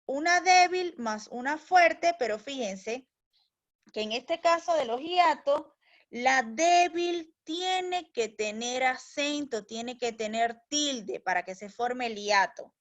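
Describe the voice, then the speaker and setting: Slow, high-voiced patient woman teacher. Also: lively intonation, dull audio. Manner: patient, explains step by step, calls pupils "mis niños", checks with "¿ya?". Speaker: primary school teacher. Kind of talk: recorded language lesson for children.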